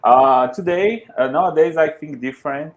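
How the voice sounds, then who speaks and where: A Brazilian man with a Portuguese accent who speaks English as a learner. He talks in a halting way, searching for words and restarting often. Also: on the high side, lo-fi sound. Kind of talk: casual conversation in English as a second language.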